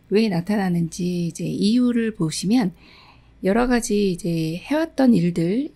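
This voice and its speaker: A woman's voice: mid-range voice, warm tone, no echo. A middle-aged woman instructor reads out exam questions and patiently explains each answer. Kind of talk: exam question walkthrough lesson.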